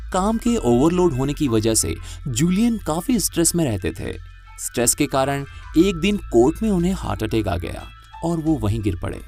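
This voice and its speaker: Lively male storyteller with musical backing. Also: on the high side. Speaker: voice-over artist narrating an audiobook summary. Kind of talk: scripted narration, storytelling.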